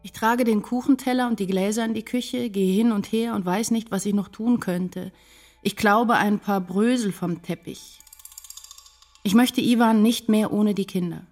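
Actress doing intense anxious woman writer in love, confessional radio drama narration, mid pitch, bit of music behind. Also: moderate pace, darkish tone, lightly acted. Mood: longing, resolute. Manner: intense, confessional first-person storytelling.

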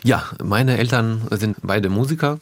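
A man from Russia, a native Russian speaker, talking as a musician guest in a radio interview, thoughtful and often pausing to find his words. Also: lowish voice. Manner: thoughtful, searching for words with pauses.

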